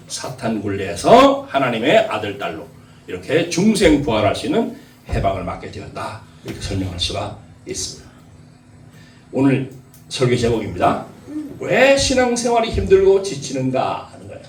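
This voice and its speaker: A man's voice: medium pitch, a little mellow, a little hiss or hum. A man preaching a sermon to his congregation, repeating key phrases and putting questions to the listeners. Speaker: pastor. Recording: echoey hall, mic at a distance.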